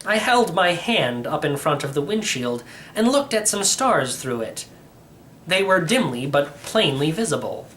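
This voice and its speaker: A man reading a first-person story aloud in an expressive narrating style. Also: on the high side, a little slow, slight background noise. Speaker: audiobook-style reader.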